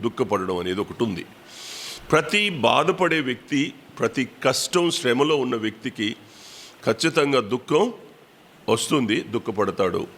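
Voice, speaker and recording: A man preaching a Bible sermon in a prayer hall, repeating his phrases and pausing on drawn-out fillers. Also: medium pitch, creaky, a bit bright.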